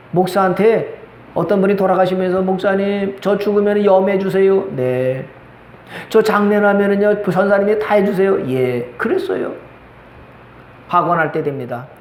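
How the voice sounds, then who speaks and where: An older man, a pastor, preaching a Sunday sermon, telling stories with quoted voices and asking the congregation questions. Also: high voice. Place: church sanctuary. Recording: echoey church room with faint noise.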